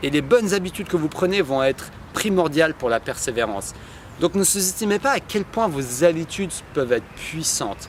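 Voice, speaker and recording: Noticeable background noise sits behind a man speaking at a moderate pace. His voice is high in pitch and moves in very wide pitch swings. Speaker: self-help youtuber. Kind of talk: motivational talk to camera. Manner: halting, many fillers and repetitions.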